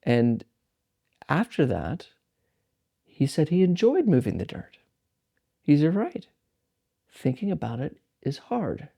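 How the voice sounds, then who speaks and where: A man teaching meditation, telling a story in a relaxed, conversational way with frequent fillers and restarts. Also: a little high, slow pace, creaky, pauses often. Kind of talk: casual storytelling talk.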